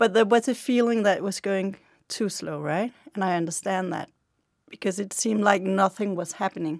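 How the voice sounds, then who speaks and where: Someone with a Danish accent speaks at a fairly quick pace with ordinary pitch variation on a very clean recording with a silent background. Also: woman, medium pitch for a woman. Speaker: communications head at HIV/AIDS organization. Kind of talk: interview.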